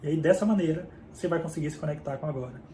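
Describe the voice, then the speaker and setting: A man's voice: on the high side, racing, mellow. A man with a Brazilian Portuguese accent hosting a casual book summary, explaining in a conversational way and often checking in with the listener. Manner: conversational, keeps checking in with "tá?" and "certo?". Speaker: book summary channel host. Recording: echoey room with faint background hum.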